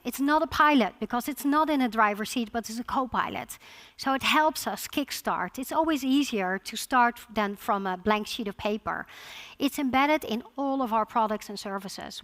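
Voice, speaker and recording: A woman's voice: fairly high pitch, a bit bright. Dutch-accented woman giving a talk. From Netherlands. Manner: halting restarts, repeated words. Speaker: conference speaker. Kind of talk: conference presentation.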